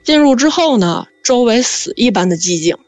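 A woman tells a story in a lively, chatty way, stretching her fillers as she goes. Her voice sounds close and dry, with soft music playing underneath. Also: on the high side, moderate pace, no echo. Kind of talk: casual spoken storytelling.

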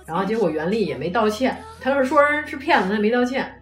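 A woman's voice: fairly high pitch, fast talker. A woman with a Beijing accent chatting casually and teasingly as a podcast host. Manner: animated, teasing. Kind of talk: casual chat. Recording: roomy echo, faint music behind.

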